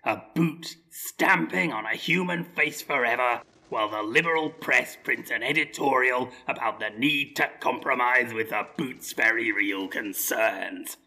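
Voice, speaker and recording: An actor playing a scheming, pompous English writer turned dictator in a comedy audio drama, speaking articulately and persuasively. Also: male voice, mid-range voice, measured pace, bright, forceful tone, breathy edge, exaggerated voice. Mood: smug, commanding.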